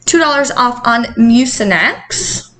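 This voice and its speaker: A woman with a high-pitched, bright voice chats through deals like a casual vlogger. Her speech is slightly affected by the retainers she is wearing, and her delivery is upbeat. Some background noise sits faintly behind her. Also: lively intonation, slow. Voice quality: talking with dental retainers in, slightly altered articulation. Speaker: couponing vlog host. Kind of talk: casual coupon-deal vlog narration.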